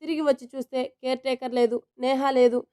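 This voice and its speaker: A woman plays a troubled young man in a storybook, heated and confessional, pushing his words out with raised urgency. The tone stays clear and smooth over a narrow, level pitch. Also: steady tone, fairly quick, mellow. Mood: anguished. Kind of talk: storybook reading.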